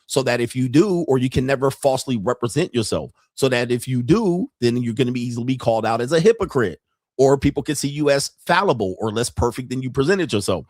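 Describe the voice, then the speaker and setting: A man's voice: medium pitch, expressive, brisk, a little mellow, no room sound, clean studio sound. A man hosting a casual commentary livestream, joking and rambling in slangy talk. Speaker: podcast host.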